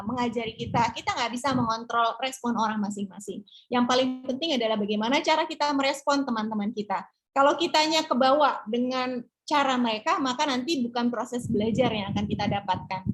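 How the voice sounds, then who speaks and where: A middle-aged woman public speaking trainer answering class questions in a warm, encouraging way, often tagging her sentences with a questioning "ya". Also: fairly high pitch. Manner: encouraging, peppers speech with "ya".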